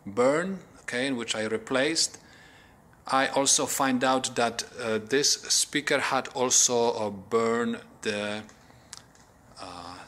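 Halting man explaining a repair. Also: medium pitch, bright, forceful tone. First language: not English. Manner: halting, repetitive, often saying okay. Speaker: repair tutorial host. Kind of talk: unscripted hands-on repair explanation. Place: indoors at home.

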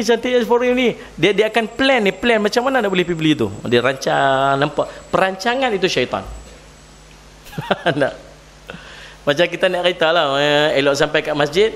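A male preacher with a Northern Malaysian Malay accent delivers a sermon at a religious gathering. His voice sits a little high. He jokes, laughs easily and keeps tossing questions to the crowd. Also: fairly bright tone. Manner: jokey, laughs often, asks the audience questions. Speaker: Islamic preacher. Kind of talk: humorous sermon.

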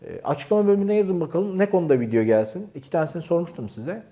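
A man talks straight to camera in an animated, teasing way, handing out self-improvement advice. His pitch swings widely as he acts out little examples. His tone is mellow and dark. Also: quick pace.

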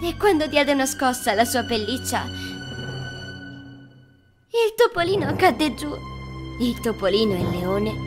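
A woman's voice: a little high, big pitch swings, unhurried, long pauses. A woman storyteller reading scripted fairy tale narration for children. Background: background music.

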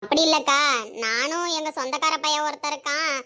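A woman's voice: sits high, steady tone, brisk, sharp tone. A woman playing a chatty neighbor who probes about a marriage match. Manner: chatty, probing. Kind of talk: amateur family drama acting.

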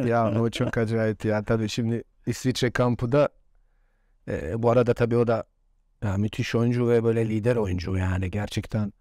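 A man's voice: lowish voice, little pitch movement, moderate pace, darkish tone, no echo, clean studio sound. Chatty man telling football stories. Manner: chatty anecdotes with frequent laughs. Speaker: former footballer guest. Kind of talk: casual storytelling interview.

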